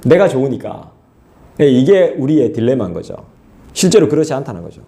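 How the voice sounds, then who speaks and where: A male pastor, preaching an expository sermon in a lively, colloquial way and talking straight to the congregation. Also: mid-range voice, fairly quick. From South Korea. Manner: lively, colloquial, acts out scolding voices and asides to the congregation. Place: church sanctuary. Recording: echoey church hall.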